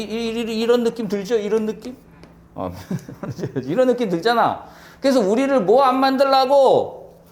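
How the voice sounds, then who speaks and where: This civil service exam Korean lecturer, a man with a high-pitched, darkish voice, teaches exam preparation by asking rhetorical questions and answering them himself while hammering home key points through repetition.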